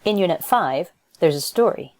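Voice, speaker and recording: A woman reading scripted educational narration in a measured, instructional way. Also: fairly low pitch, animated, a little mellow, no echo. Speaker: voiceover artist and presenter.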